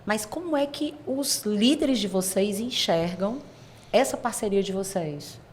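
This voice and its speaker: A woman's voice: mid-range voice, expressive, unhurried, a little hiss or hum. A woman hosting a business interview, asking long probing questions and rephrasing as she goes. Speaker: interviewer, host.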